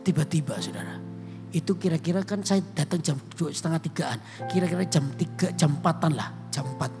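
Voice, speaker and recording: A man's voice: on the high side, brisk. A male pastor preaching a sermon in a conversational storytelling way, often turning to the congregation directly. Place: church auditorium. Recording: reverberant church hall with instrument music.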